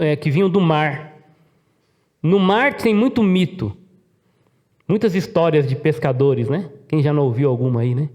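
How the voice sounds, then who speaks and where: A middle-aged Brazilian pastor preaching to his congregation. His voice sits a little high for a man, and he keeps turning to the listeners with questions. He acts out the lines of the people in his story. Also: a little mellow. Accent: Brazilian Portuguese. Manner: rhetorical questions to the congregation, dramatic voiced quotes. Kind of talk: sermon.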